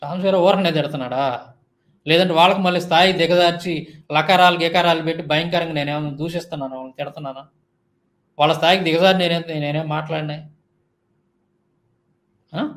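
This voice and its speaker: A man's voice: a little high, brisk, pauses often, a bit bright. A man giving a heated monologue rebuttal, firing off indignant rhetorical questions. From India. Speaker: Christian YouTube commentator.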